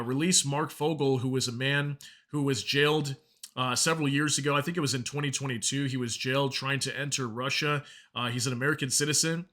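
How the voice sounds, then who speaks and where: A man's voice: mid-range voice, sharp tone. A man hosting an informal news commentary, explaining reports and reading out statements in a conversational way. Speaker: news commentary channel host.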